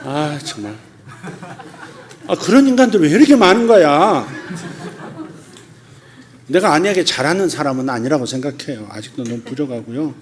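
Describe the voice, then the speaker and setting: A middle-aged man preaching a sermon as pastor, talking colloquially and animatedly, laughing often and acting out quoted voices in sudden loud high bursts. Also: animated, moderate pace, long pauses.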